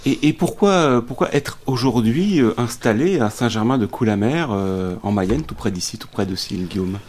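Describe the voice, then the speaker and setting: A man hosting a conversational radio interview, forming his questions haltingly and repeating words as he goes. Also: mid-range voice, animated, a little mellow.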